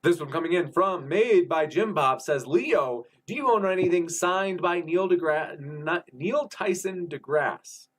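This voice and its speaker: A man's voice: on the high side, animated, a little slow, hardly any pauses, slight background noise. Chatty man reading viewer questions. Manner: friendly, chatty, reads messages aloud. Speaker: debate show host.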